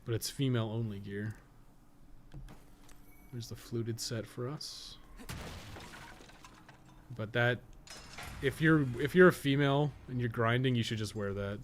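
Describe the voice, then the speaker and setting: Over clearly noisy background ambience, a man talks through a game in a medium-pitched voice. His commentary is casual and unscripted, wandering as he thinks aloud. He pokes fun at himself and swears mildly. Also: measured pace, pauses often. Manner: rambling, self-deprecating, thinking aloud. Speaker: podcast co-host and game streamer.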